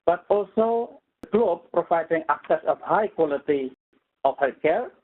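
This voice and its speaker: A man with an Indonesian accent giving a formal academic lecture as a guest professor, speaking haltingly in non-native English. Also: on the high side, expressive. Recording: tinny phone-like audio.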